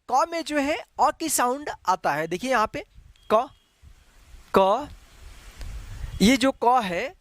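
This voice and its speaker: A man gives a slow online Hindi lesson, patiently repeating each letter several times and habitually using the filler "jo hai." His voice is very high-pitched and a bit bright, captured in a dry, clean studio recording.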